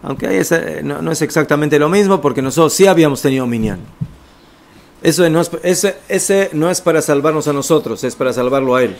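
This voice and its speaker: A man's voice: on the high side, expressive, brisk, gravelly, a little hiss or hum. A man teaching an informal religious law lesson, explaining step by step and checking in with his listeners. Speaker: rabbi teaching a class.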